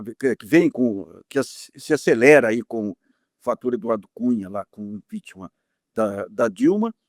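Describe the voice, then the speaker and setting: A man with a Brazilian Portuguese accent commenting on politics in an animated way, often restarting and repeating words as he thinks. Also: a little high, dry recording, studio quality. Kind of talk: panel discussion.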